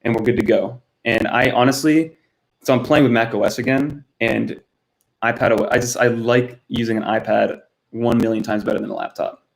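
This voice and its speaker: A man's voice: mid-range voice, steady tone, normal speed, creaky, low-quality recording. Chatty young man live-streaming from home. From United States (Miami, Florida). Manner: chatty, rambling, answers chat by name. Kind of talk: casual live-stream chat reading viewer comments. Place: small cluttered home room. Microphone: built-in camera mic.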